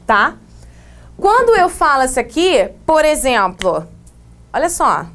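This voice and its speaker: A woman English teacher with a Brazilian Portuguese accent, giving a video grammar lesson with lively explanations and playful asides. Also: high-pitched, slow pace.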